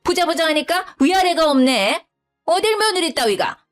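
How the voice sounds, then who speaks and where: A woman's voice: sing-song, normal speed, soft background music. A woman voicing a domineering older mother-in-law who scolds and talks down to her daughter-in-law. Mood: scolding. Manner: scolding, shrill, condescending.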